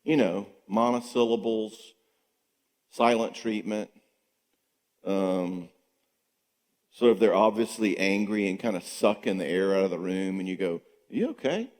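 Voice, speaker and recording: An older male psychologist lectures a church audience, his lowish voice carried by the long reverb of a sanctuary. He talks in an animated way, throws out rhetorical questions and slips into higher voices to act out quotes. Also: measured pace, pauses often. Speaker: psychologist speaking at a marriage conference. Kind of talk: conference talk to a church audience.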